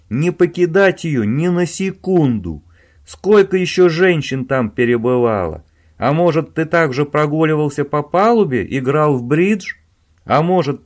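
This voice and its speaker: A man voicing an angry schemer who shouts at his bungling accomplice, harsh and loud. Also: mid-range voice, voice pushed up, close to an everyday voice.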